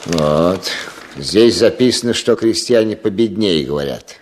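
An actor playing a weary, patient older village official in a Russian radio play, with an unhurried, avuncular, sighing manner. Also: male voice, low voice, expressive. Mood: patient, thoughtful.

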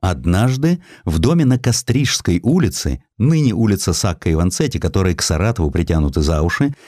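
A man with a low voice reads scripted historical narration. His delivery is highly expressive, with deliberate pauses and shifting emphasis, and the sound is close and dry. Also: no echo. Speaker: audiobook narrator.

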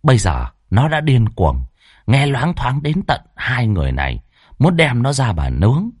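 Husky man narrating a dramatic horror story. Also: medium pitch, huge pitch swings, moderate pace, dry recording, clean studio sound.

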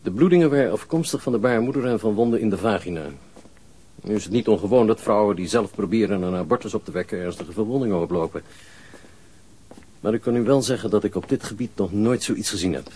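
An actor playing a frank, authoritative hospital doctor in a radio drama, formal, matter-of-fact and emphatic, with a husky voice. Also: male voice, on the low side, quick pace, warm tone. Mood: frank, grave.

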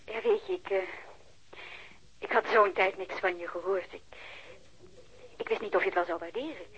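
A woman's voice: medium pitch, normal speed, fairly bright tone, slightly rough, dull audio. An actress playing a nervous, tentative woman on the phone in a radio play, searching for her words.

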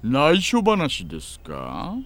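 An actor playing a wily, smooth-talking middle-aged police detective in an audio drama, unctuously polite and insinuating. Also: male voice, mid-range voice, huge pitch swings, slow, a bit bright, exaggerated voice. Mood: jovial chatter. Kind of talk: Japanese audio drama acting.

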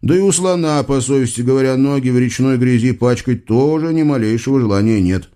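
A man narrating an audiobook in an expressive, ironic, conversational way. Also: mid-range voice, brisk.

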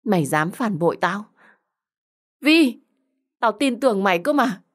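A desperate young woman, played by a female storyteller, speaks in a slightly low voice for an audio story. She is urgent and agitated, swinging between pleading and furious threats against the friend who wronged her. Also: lively intonation, brisk. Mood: furious, betrayed.

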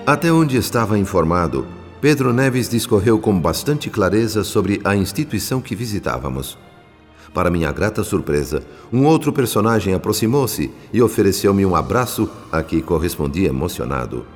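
A man playing a devout spirit narrator in a radio drama, solemn, theatrical and measured. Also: deep voice, big pitch swings. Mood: solemn, reverent. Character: devout male spirit narrating his visits in the afterlife. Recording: long reverb, music underneath.

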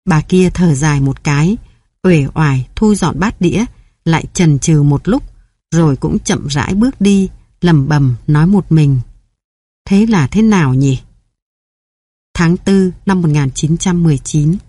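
A woman reading a story aloud in steady, measured audiobook narration. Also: sits low, husky, no room sound. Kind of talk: scripted narration.

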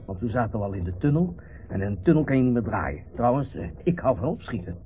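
Acteur als norse echtgenoot, ruisende telefoonachtige opname. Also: male voice, medium pitch, very animated, quick pace, natural voice. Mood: grumbling, defensive. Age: middle-aged. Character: gruff, bitter middle-aged businessman husband, war survivor. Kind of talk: Dutch radio drama acting. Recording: noisy, phone-like old radio play recording.

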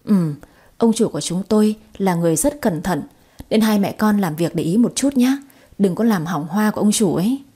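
A woman's voice: mid-range voice, lively intonation, normal speed, dark tone, husky. A woman voicing an elderly housekeeper who gives careful, polite instructions in a storybook tale. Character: old female housekeeper, stern but kindly.

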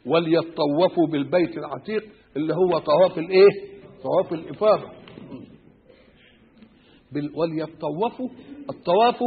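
A man's voice: fairly high pitch, vocal fry, slight background noise. A man with an Egyptian Arabic accent teaching Quran exegesis, posing rhetorical questions and answering them himself. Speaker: religious scholar. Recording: tinny phone-like lo-fi recording.

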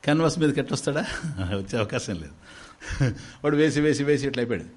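A man delivers a spiritual discourse as a story. His pitch swings widely as he moves through the tale, and he drops English words into his talk. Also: fast. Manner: animated storytelling, voices quoted characters with big pitch swings; mixes English words into speech. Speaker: spiritual teacher.

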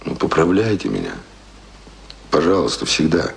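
An actor in a radio play playing an earnest, passionate young self-taught would-be writer, speaking ardently and poetically. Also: male voice, extremely low pitch, sing-song, moderate pace, gravelly, exaggerated voice, rough recording. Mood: eager, devoted.

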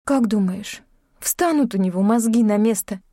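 A woman voicing a distraught, tearful young woman who wails and sobs between excited outbursts. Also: medium pitch, moderate pace, no echo, clean studio sound, lightly acted. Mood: agitated. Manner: wailing, sobbing outbursts.

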